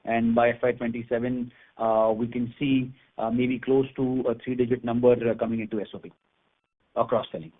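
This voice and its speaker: A man with an Indian accent answering as a company executive on an earnings call, in halting, measured business talk. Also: medium pitch, level tone. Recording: phone-like conference call line.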